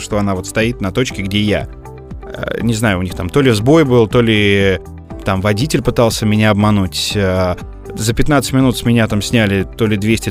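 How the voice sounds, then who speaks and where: A male podcast co-host chatting casually, telling a long story and often pausing on filler sounds. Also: on the low side. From Moscow region. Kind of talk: casual chat.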